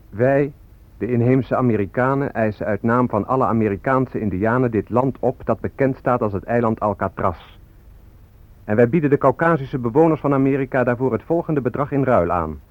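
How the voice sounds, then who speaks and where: An actor playing a defiant, sardonic Native American activist spokesman in a radio drama, speaking in measured, ironic proclamations. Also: mid-range voice, no room sound, narrow, tinny audio, natural voice. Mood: proud, firm. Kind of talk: radio drama acting, declamatory.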